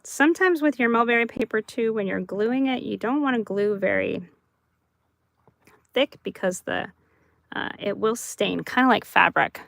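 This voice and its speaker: A woman hosting a live craft chat, soft and chatty, who often laughs and talks about her dry mouth. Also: a little high, moderate pace, creaky, no room sound. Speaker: craft livestream host.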